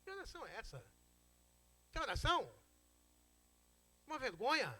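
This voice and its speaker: A pastor with a notably high voice delivers a sermon to his church. He swings from loud, insistent lines to sudden hushed asides colours every phrase. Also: wildly swooping pitch, normal speed.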